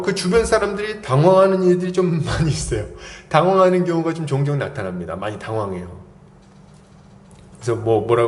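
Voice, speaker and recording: A male pastor preaching a sermon, telling stories in an animated way and acting out voices. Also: fairly high pitch. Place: church. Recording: echoey church hall.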